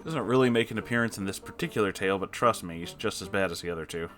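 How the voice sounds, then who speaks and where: Male story reader, low register, stops for disgusted asides, soft music bed. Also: fast. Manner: breaks off with disgusted reactions. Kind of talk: reading an online post aloud with comments.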